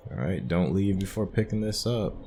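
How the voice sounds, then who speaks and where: A man's voice: low-pitched, animated, moderate pace, mellow, slight background noise. A man doing casual let's play commentary, musing and thinking aloud as he works through a video game. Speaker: gamer narrating a playthrough.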